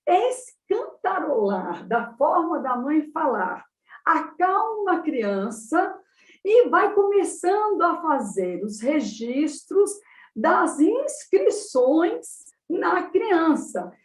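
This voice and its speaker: High, lively Brazilian woman, echoey. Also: very slow. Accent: Brazilian Portuguese. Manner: animated explaining, acts out mothers' baby talk. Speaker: psychologist. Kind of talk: live talk on child development. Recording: roomy sound, distant from the mic.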